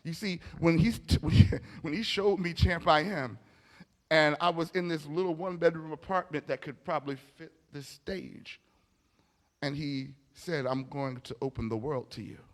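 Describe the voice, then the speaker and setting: A man preaching a motivational sermon, emphatic and informal, telling stories and repeating key phrases with dramatic pauses. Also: fairly high pitch. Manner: informal, anecdotal storytelling. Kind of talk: motivational sermon to a live audience. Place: large indoor hall, speaking from a stage. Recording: echoey hall with long reverb.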